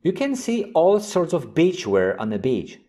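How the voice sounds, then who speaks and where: Man teaching vocabulary, lively mellow voice. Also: a little high. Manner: slow, carefully enunciated reading of example sentences. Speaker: English teacher. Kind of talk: vocabulary lesson narration.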